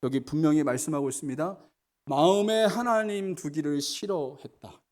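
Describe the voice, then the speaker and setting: A middle-aged male pastor giving a sermon, earnest, often calling out to the congregation and moving between loud emphatic preaching and quiet storytelling. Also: a little high, moderate pace.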